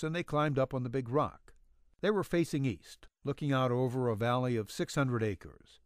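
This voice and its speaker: A man reads a western tale in a mid-pitched voice. His narration moves up and down in pitch with plenty of variation. The recording is very dry, with no room around it. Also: no room sound. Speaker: audiobook narrator. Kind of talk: scripted narration of a western story.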